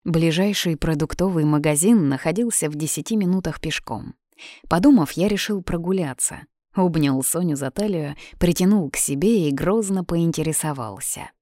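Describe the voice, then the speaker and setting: A woman reading an audiobook in first-person narration with even storytelling. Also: low-pitched, normal speed, no room sound, clean studio sound.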